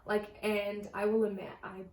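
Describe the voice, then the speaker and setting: A woman's voice: medium pitch, flat delivery, normal speed, a little mellow. A young woman vlogger talking casually to the camera about her budget, chatty and full of "like" fillers. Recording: echoey room with faint ambient noise.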